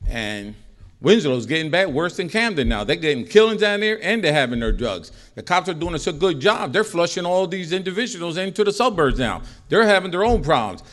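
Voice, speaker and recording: A man's voice: a little high, a bit bright. A middle-aged man giving a rambling, repetitive public comment at a school board meeting from a podium microphone, growing more heated as he goes.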